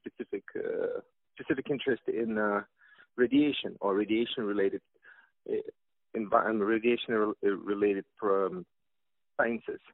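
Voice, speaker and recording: A man's voice: on the low side, no echo. A man with a Russian accent answering interview questions about his company's products, hesitant, with many fillers and restarts. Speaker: company representative guest. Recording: tinny phone line, dry.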